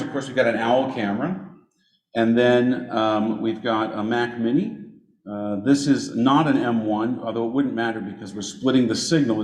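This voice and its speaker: A man's voice: mid-range voice, darkish tone. A man giving a casual live demonstration in a big echoing hall, picked up by a conference camera microphone. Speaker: guest presenter. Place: large indoor social hall. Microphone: conference camera microphone, away from the mouth. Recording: echoey hall from far off, noisy.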